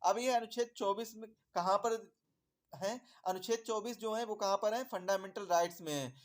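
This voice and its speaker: A man's voice: high-pitched, normal speed. Man teaching exam prep, repetitive. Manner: repeats points, asks then answers own questions; calls viewers "my dear brother".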